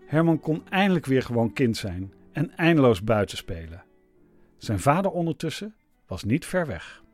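Guy narrating a podcast, scripted, pitch moves a lot, faint music behind. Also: very animated, normal speed.

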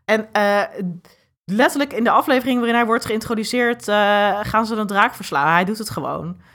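A woman co-hosting a casual podcast chat, lively and opinionated, speeding up when she makes a point. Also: fairly high pitch, fairly quick. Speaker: podcast co-host.

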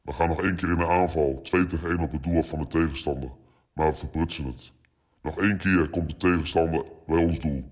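Man, voice-changer disguised deep voice, extremely low, dramatic storytelling, recorded anecdote. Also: fairly even intonation, fast talker. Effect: voice changer making the voice very deep. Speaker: former footballer telling an anecdote.

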